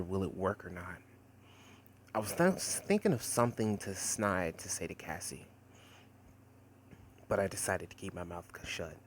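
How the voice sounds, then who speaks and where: A man voicing a sarcastic, wisecracking teenage boy who narrates in a wry, conversational monologue with dramatic pauses. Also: deep voice, slightly rough. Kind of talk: first-person character monologue, voice acting demo.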